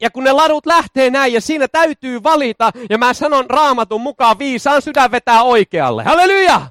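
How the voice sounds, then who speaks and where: A man preaching a charismatic sermon, exuberant, often shouting hallelujah and joking in folksy asides. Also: very high-pitched, lively intonation, no echo, studio quality.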